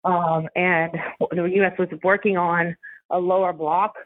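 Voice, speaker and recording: A woman's voice: fairly low pitch, little pitch movement, unhurried, no echo. A woman, a soccer coach and commentator, talking casually in an interview and rambling with many fillers. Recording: tinny phone line.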